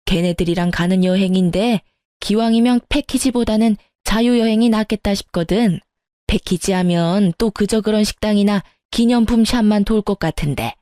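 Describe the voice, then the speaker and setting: A woman's voice: medium pitch, moderate pace, mellow, dry recording, clean studio sound, close to an everyday voice. A woman voicing a pushy, domineering older mother-in-law who nags and scoffs. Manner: nagging, domineering.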